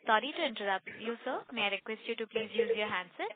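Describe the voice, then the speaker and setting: A woman's voice: medium pitch, animated, fast talker, crowd noise. A woman moderating a conference call as operator, in a formal, polite, procedural way. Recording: thin phone-like conference line.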